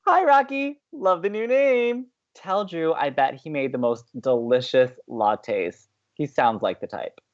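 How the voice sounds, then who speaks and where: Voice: medium pitch, expressive, a little slow, hardly any pauses, lo-fi sound. A performer playing an upbeat, chatty young college radio co-host in an audio drama, teasing and playful. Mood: excited, playful. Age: young adult.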